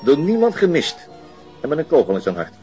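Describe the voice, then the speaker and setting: An actor playing a dogged, frustrated police detective in a radio drama, insistent and questioning with some hesitation mid-sentence. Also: male voice, on the high side, wildly swooping pitch, brisk, warm tone, soft background music. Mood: brooding. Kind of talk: Dutch radio drama acting, conversational.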